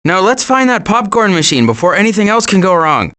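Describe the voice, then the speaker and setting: An actor voicing a cocky, wisecracking animal adventurer in an animated video game, with a breezy, glib delivery. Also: male voice, high voice, brisk, full character voice.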